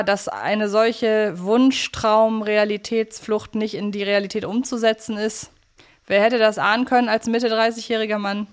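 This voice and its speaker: A woman co-hosting a podcast, chatting casually as she discusses an audio drama series. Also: mid-range voice. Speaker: podcast co-host.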